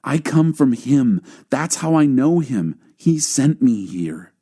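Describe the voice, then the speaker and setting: A man's voice: medium pitch, sing-song, slow, dark tone, voice pushed up. A man voicing a bold, challenging religious teacher with emphatic declarations in a dramatized scripture audiobook. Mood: proclaiming.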